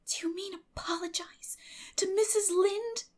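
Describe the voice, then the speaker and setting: An earnest young girl from a storybook, played by a woman, pitched up high. She is imaginative and wordy, with a theatrical way of putting every feeling. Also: fairly even intonation, unhurried, darkish tone. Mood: earnest, pensive.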